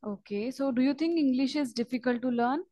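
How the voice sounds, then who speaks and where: A woman's voice: high voice, a little fast, mellow, no room sound. A woman acting as examiner in a mock speaking test, asking brief, formal questions over a video call.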